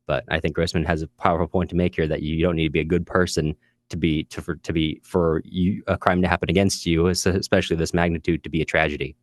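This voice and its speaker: A man's voice: low-pitched, flat delivery, fast, dry recording. A man co-hosting a podcast, casually discussing literature and hesitantly repeating words as he thinks. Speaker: podcast co-host.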